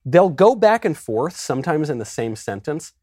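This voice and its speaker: A man on a studio panel explaining his argument in a measured, lecturing and wry way. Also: on the high side, very animated, darkish tone, no echo. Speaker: roundtable panelist, author. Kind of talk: casual political discussion.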